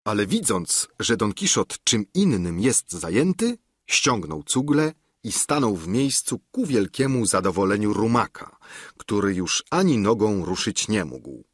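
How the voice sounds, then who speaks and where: A man narrating a classic novel with expressive storytelling. His voice has a husky grain and moves lively through its pitch. The audiobook recording is dry and close. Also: measured pace, no room sound. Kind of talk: scripted narration.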